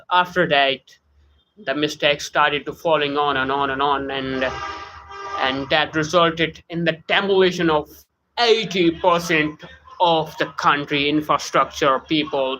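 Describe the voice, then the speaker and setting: Halting streamer man with South Asian English. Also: on the high side, pushed and bright, a little hiss or hum, poor audio. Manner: halting, many fillers, greets viewers by name. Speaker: live streamer. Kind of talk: casual live-stream talk, reading chat. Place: home room.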